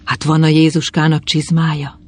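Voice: medium pitch, monotone, slightly rough, natural voice. A narrator voicing a half-frozen mercenary soldier who speaks faintly and tremblingly. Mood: shivering. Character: freezing mercenary soldier, man, weak and dreamy.

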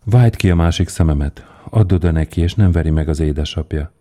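A man voicing a gentle, selfless prince statue in a read fairy tale, speaking in a soft, calm and grave way. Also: rumbling low. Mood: calm, firm.

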